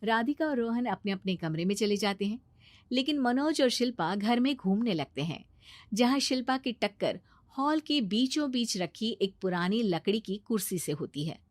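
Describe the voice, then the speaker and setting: A woman narrating a cartoon story in a steady, plain storytelling manner. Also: on the high side, normal speed, dry recording.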